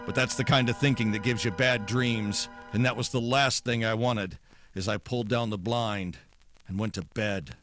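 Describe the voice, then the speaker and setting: A man's voice: on the low side, steady tone, moderate pace, over loud music, lightly acted. A man playing a weary, hard-boiled private detective, narrating in 1940s noir radio style. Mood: world-weary.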